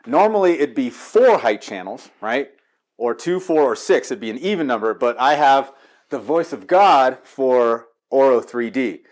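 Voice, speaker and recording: A man with a medium-pitched voice gives a casual tour of his gear at home. He talks in a loose, rambling, slangy way, like an enthusiast telling stories. The setting is a living room. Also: animated, a little slow. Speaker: home theater enthusiast giving a walkthrough. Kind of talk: casual gear walkthrough chat.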